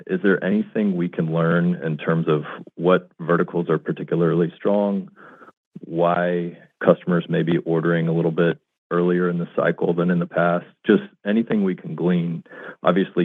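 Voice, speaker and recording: Male analyst, low and husky voice, polite questioning style, thin telephone audio. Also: dry recording. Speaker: financial analyst asking questions. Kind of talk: polite earnings call questioning. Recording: dry, tinny narrowband phone line.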